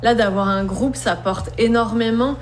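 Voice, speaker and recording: A woman, a slam poet and singer, answering interview questions in an earnest, thoughtful way with many pauses. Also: on the high side, steady tone, a little hiss or hum.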